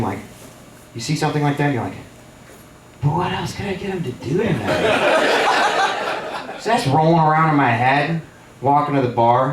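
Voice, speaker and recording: A man performing a stand-up comedy set on a theater stage, telling stories with animated delivery and jumping into high squeals for the people he quotes. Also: noisy background. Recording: roomy, distant live theater recording with crowd laughter. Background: audience laughter.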